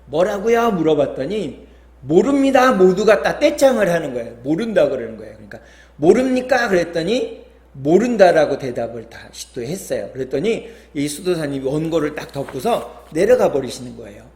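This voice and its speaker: Man preaching in an echoey room. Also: a little fast. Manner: animated storyteller, acts out quoted lines with higher pitch. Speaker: pastor. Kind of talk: sermon storytelling.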